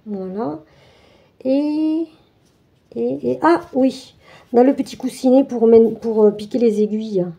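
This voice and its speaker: A woman's voice: fairly high pitch, slow, vocal fry, pauses often, warm tone. A woman hosting a craft channel, chatting through an unboxing with many fillers and restarts. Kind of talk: casual unboxing walkthrough.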